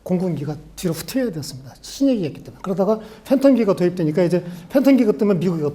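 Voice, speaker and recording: A man's voice: sits high, sing-song, rapid-fire, warm tone. A man in his sixties from Jeolla, South Korea, a law professor giving a farewell lecture full of reflective personal anecdotes in a university lecture room. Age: 60s.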